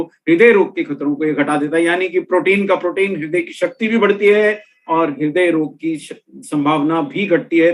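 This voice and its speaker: A middle-aged man presenting a health and nutrition talk, explaining step by step and speaking straight to his listeners. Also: high voice. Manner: explanatory, addresses listeners directly. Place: room with products on shelves behind.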